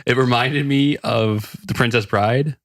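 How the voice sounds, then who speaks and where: A man's voice: medium pitch, steady tone, a little slow, creaky, no echo, clean studio sound. A man co-hosting a podcast in casual chat, talking loosely with swearing and frequent restarts. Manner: loose, profane, rambling with restarts. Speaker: podcast co-host.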